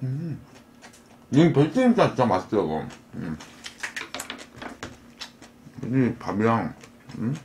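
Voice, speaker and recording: A man's voice: medium pitch, big pitch swings, racing, long pauses, a little mellow, slight background noise. Man mumbling with his mouth full. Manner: mumbled, murmuring with food sounds. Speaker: mukbang streamer. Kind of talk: casual eating broadcast chat.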